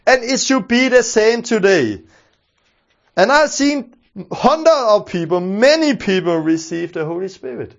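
A man's voice: high-pitched, expressive, unhurried, vocal fry, muffled recording. A man with a Danish accent, teaching a sermon in an earnest, emphatic way, repeating his key phrases. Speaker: preacher.

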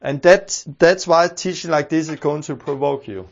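Man with a Danish accent, preaching, high voice, earnest and emphatic, dull lo-fi sound. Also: moderate pace, gravelly. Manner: earnest, emphatic, repeats key phrases. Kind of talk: teaching sermon.

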